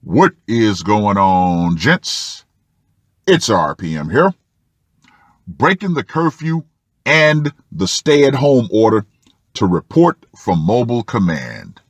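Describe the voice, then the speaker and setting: A man hosting an online commentary show, reading a post aloud and commenting with deliberate, dramatic emphasis and drawn-out words. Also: fairly low pitch, very animated, dry recording.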